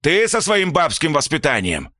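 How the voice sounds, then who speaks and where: A man playing a furious shouting father. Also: huge pitch swings, moderate pace, dry recording, clean studio sound, exaggerated voice. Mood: enraged. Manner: shouting, scolding, high and strained. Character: furious middle-aged father, loud and coarse.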